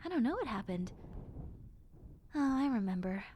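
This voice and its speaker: A woman playing a gentle, chatty young zombie girl in a roleplay audio drama, musing conversationally to the listener. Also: fairly high pitch, big pitch swings, normal speed, slight background noise. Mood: mildly puzzled. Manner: soft-hearted, conversational, musing.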